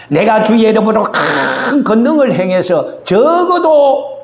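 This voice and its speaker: A proud, indignant false prophet as a preacher puts him on, protesting loudly in a high, lively voice. The recording rings through an echoey church hall. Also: male voice.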